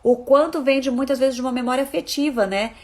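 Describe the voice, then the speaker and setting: Emphatic higher-voiced woman educator. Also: fast. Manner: emphatic, repeats key phrases, addresses listeners as "gente". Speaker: parenting educator. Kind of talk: live talk to viewers, reading comments.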